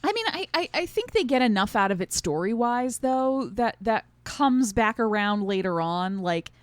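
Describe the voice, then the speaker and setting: A woman's voice: on the high side, big pitch swings, moderate pace, no echo. A woman co-hosting a podcast in casual conversation, retelling things in detail and acting out quotes as she goes. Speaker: podcast co-host.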